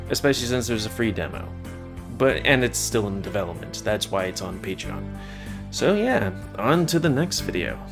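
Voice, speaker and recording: A man casually chatting about games he plays, rambling and often interrupting himself. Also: mid-range voice. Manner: rambling and self-interrupting, with fillers. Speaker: gaming video host. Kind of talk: casual game review over gameplay.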